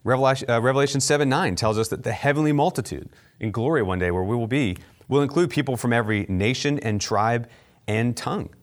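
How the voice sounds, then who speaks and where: A man's voice: medium pitch, fast. A man from near Baltimore giving a conversational Christian teaching talk, with fillers and light asides. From United States, near Baltimore. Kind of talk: teaching talk on faith and culture.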